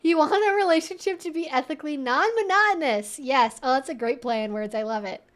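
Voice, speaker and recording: A woman hosting a live Q&A, talking casually and explaining things in a conversational, animated way, often acting out imagined thoughts. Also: sits high, a little fast. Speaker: host of a weekly live Q&A stream. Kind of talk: casual educational chat, answering viewers.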